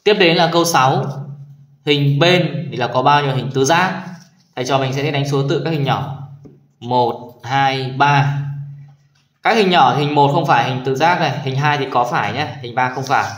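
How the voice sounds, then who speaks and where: A man teaching young children math, talking them through each step patiently and often checking that they follow. His voice sits at a middle pitch. The recording carries a noticeable room echo. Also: normal speed. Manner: patient, addresses pupils warmly with tag questions. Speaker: primary school math teacher. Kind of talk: explaining exercises in a video lesson.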